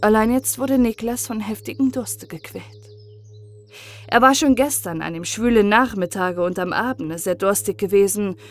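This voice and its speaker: A woman narrating a fairy-tale audiobook in a calm, measured bedtime reading. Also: mid-range voice. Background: soft background music.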